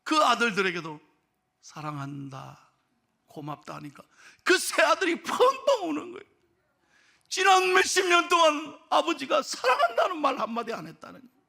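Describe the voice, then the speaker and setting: A middle-aged man preaching a sermon as pastor in a church, swinging from hushed storytelling to loud exhortation. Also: very high voice, huge pitch swings, brisk, gravelly. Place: church sanctuary.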